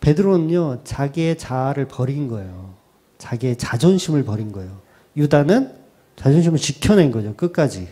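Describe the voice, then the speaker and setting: A man's voice: medium pitch, moderate pace, slightly rough. A middle-aged male pastor preaching a sermon, who acts out quoted prayers and repeats key phrases for emphasis. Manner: animated preaching, acting out quoted prayers and replies.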